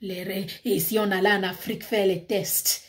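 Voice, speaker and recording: A woman's voice: mid-range voice, level tone, moderate pace. A woman with a Cameroonian accent, ranting passionately in a casual vlog and switching between French and English. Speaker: YouTuber. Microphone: phone.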